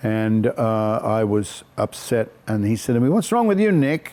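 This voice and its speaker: This man's voice has a dark, mellow tone. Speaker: actor. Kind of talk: personal storytelling interview. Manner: clear projected delivery.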